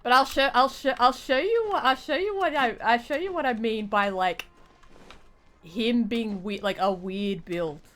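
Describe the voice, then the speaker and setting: A woman's voice: fairly high pitch, unhurried, fairly bright tone. A woman chatting casually as she live-streams a video game, rambling and often restarting her phrases. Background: game music.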